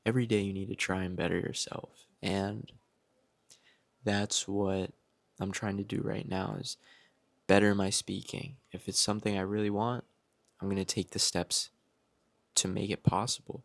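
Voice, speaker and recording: Low flat gravelly young man vlogging. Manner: reflective, self-motivating, unhurried. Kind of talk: casual vlog talking to camera. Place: at home, indoors.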